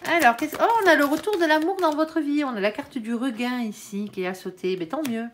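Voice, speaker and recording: A woman's voice: sits high, brisk, slight background noise. A woman doing a casual tarot card reading, chatty and peppered with "hein", talking straight to her viewers. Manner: addresses viewers and her angel directly. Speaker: tarot reader.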